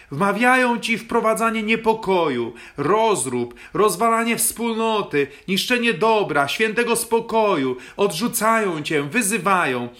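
A man's voice: high voice, sharp tone. A man giving a sermon, exhorting listeners with repeated phrases and rhetorical questions. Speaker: priest.

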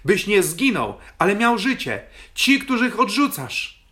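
A man's voice: high-pitched, big pitch swings, unhurried, pushed and bright. A man giving a sermon, exhorting listeners with repeated phrases and rhetorical questions. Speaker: priest.

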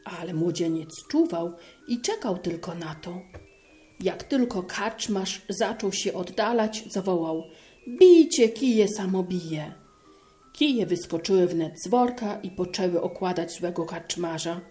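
A woman calmly narrating a fairy tale aloud. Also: fairly low pitch, a little slow, faint music behind.

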